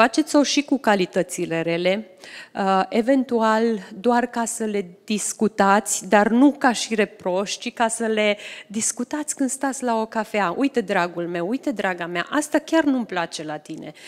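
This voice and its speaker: A woman with a fairly high pitch speaks at a fairly slow pace. Her intonation is lively, and the background is quiet. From Oltenia, Romania. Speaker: missionary's wife; speaker. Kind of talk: sermon. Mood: warm, advisory. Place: church. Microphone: handheld.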